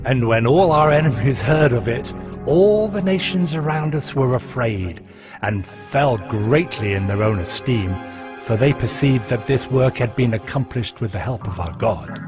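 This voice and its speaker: A man playing a steadfast, devout ancient governor, narrating his memoir of scripture in a solemn, measured way. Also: mid-range voice, expressive, lightly acted. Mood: solemn, resolute. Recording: music behind the voice.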